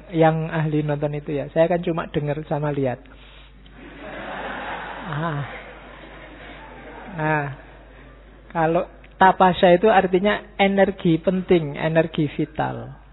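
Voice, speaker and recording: A middle-aged man with a Javanese accent gives an informal philosophy lecture in a mosque hall, teaching in a relaxed way with joking asides. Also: a little high, creaky, husky. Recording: echoey hall, thin phone-like sound.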